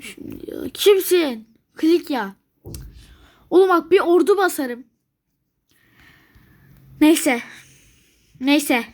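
Woman, high voice, gameplay commentary, exasperated, grumbling, thinking aloud. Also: lively intonation, very slow, pauses often, darkish tone. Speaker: gameplay video maker. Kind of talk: strategy game commentary.

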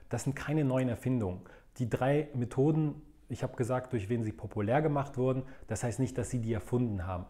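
A man's voice: mid-range voice, mellow. A man teaching in a video lesson, laying out methods step by step in a methodical, explanatory way. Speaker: language learning coach.

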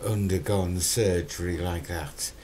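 A man's voice: deep voice, steady tone, measured pace, a little mellow, slight background noise. An older man co-hosting a casual studio chat, giving dry, understated replies. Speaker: co-host. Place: small studio with dark backdrop. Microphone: lapel.

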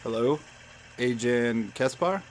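A man's voice: mid-range voice, takes it slowly, slight background noise, natural voice. A man playing a hesitant, polite veteran FBI agent in an audio drama.

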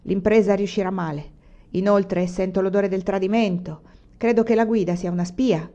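A woman's voice: medium pitch, steady tone, moderate pace, warm tone, lightly acted. A woman reading the part of a cautious male bandit captain giving a solemn warning. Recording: dull lo-fi recording.

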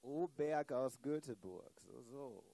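A man's voice: medium pitch, lively intonation, takes it slowly, vocal fry, dark tone. A man playing a disillusioned old police inspector in a radio play, dry, resigned and sardonic. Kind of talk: improvised German radio play.

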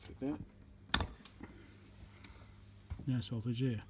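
A man's voice: medium pitch, steady tone, drawn-out words, pushed and bright, slight background noise. A man giving casual commentary as he repairs electronics, thinking aloud as he works at a workbench. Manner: muttering, thinking aloud while working.

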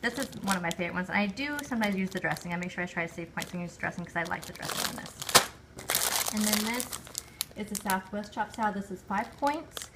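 Talking quickly in a mid-range voice, a woman in her forties runs through her groceries at the kitchen table, chatting about items and their points and correcting herself. It's a casual vlog show-and-tell, very noisy, with bags crinkling loudly by the mic.

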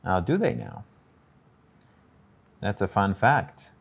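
A man's voice: fairly low pitch, sing-song, takes it slowly, creaky, breathy edge. A man casually narrating his drawing steps on a live stream, talking through each step and greeting viewers in chat.

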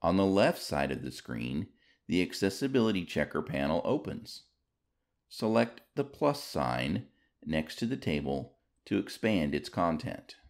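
A man's voice: low-pitched, sing-song, a little slow, gravelly. A man reading scripted step-by-step instructions as a tutorial narrator.

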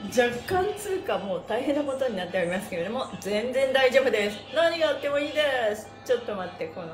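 A middle-aged woman hosting a live stretching lesson, chatting and calling out moves in a bubbly, animated, playfully polite manner. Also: a little high, fast. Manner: bubbly, animated, playfully polite, addressing body parts and objects with honorifics. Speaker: stretching class host and mime teacher. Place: small room with mat on the floor, indoors. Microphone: phone or camera a metre or two away. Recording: roomy, echoey live-stream sound. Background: music.

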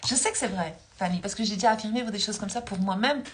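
A Belgian woman in her forties speaks quickly in a medium pitch while hosting a casual livestream as a spiritual coach. She's chatty, laughs often, and reads viewer comments aloud. Her phone is held close in a dim room.

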